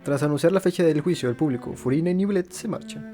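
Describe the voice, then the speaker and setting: A man's voice: on the high side, racing, warm tone, faint music behind. A native Spanish-speaking man hosting a gameplay video, reading out dialogue and commenting. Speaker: gaming video host.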